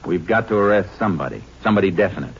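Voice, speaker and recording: An actor playing a steady, no-nonsense Texas Ranger in a 1950s radio drama, terse and matter-of-fact. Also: male voice, low voice, racing, breathy edge, muffled recording, full character voice. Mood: firm. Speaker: lead and narrator. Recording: noisy band-limited 1950s radio recording.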